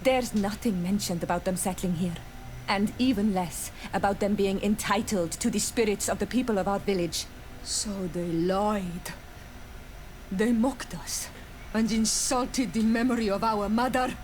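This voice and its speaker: A woman's voice: mid-range voice, measured pace, darkish tone, natural voice. Earnest tribal woman voiced by an actress, noisy ambience. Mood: indignant. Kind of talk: scripted game dialogue acting.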